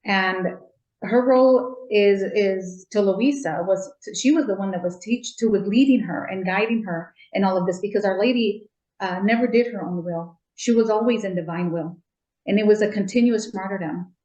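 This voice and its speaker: A woman who is a religious sister, answering gently in an interview with many ums and restarts. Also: medium pitch, moderate pace, reverberant, dull audio.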